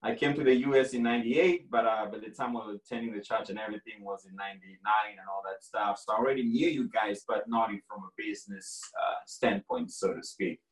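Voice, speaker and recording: A man in his forties, originally from Kenya, telling his story as a guest in a relaxed, rambling podcast conversation. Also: lowish voice, fairly quick, hardly any pauses, roomy sound, distant mic, low-quality recording. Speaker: franchise owner guest.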